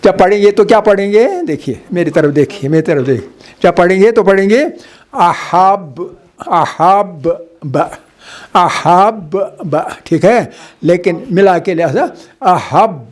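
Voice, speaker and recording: A middle-aged man teaches Quran recitation in a slightly high voice. He stretches syllables slowly to demonstrate each sound, then explains briskly. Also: lively intonation, darkish tone. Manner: slow drawn-out demonstration of syllables. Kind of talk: religious lesson on Quran recitation.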